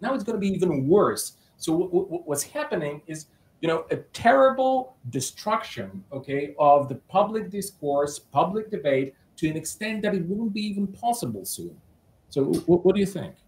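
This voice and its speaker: Male interviewer from Bulgaria, slightly high voice, halting delivery full of fillers. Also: big pitch swings, darkish tone, rough recording. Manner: hesitant, many fillers and restarts. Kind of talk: online interview question.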